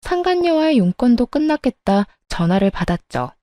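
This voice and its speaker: A woman's voice: a little high, big pitch swings, normal speed, warm tone, no room sound. A woman narrating a first-person story in a matter-of-fact, sardonic manner into a close mic.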